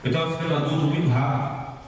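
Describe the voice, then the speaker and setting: A man preaching a sermon in Brazilian Portuguese, lively and joking with his congregation, acting out little quotes. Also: on the high side, fast, a little hiss or hum. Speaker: pastor. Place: church hall, indoors. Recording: echoey church hall, voice from far off.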